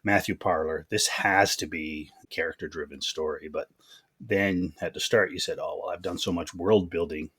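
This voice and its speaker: Podcast host dude, really low voice, a bit husky, chatty questions. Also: male voice, steady tone, moderate pace, fairly bright tone. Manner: friendly, chatty, asks follow-ups. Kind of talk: casual interview questions.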